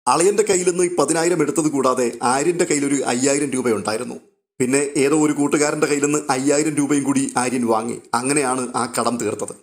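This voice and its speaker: A man's voice: medium pitch, fast, lightly acted. A man voicing a defensive middle-aged brother-in-law who protests and explains. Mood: protesting.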